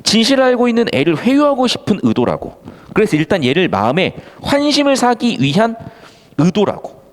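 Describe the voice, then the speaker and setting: A man tutoring students in an exam-prep lecture, animated, mixing casual and polite speech and acting out example lines. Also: high voice, a little fast, in a large hall. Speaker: Korean literature tutor.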